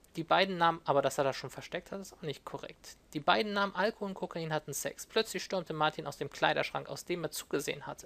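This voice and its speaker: Talking very fast with hardly any pauses, a woman uses ordinary pitch variation. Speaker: let's play gamer. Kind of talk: gameplay commentary with reading game text aloud. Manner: hesitant, many filler sounds.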